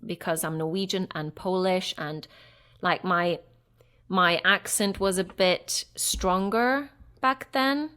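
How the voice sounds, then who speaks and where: A woman in her thirties, originally from Norway, talks as an actress guest in a relaxed interview. Her voice sits a little low, and she rambles reflectively with plenty of fillers and self-corrections. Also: slow pace. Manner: chatty and reflective, many fillers and restarts. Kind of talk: casual interview chat.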